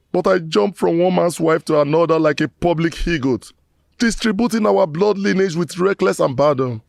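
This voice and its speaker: A man's voice: fairly high pitch, gravelly, a little mellow, no echo, clean studio sound. A man playing a repentant rogue praying. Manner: lamenting, pleading, declamatory. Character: remorseful middle-aged rogue pleading to ancestors.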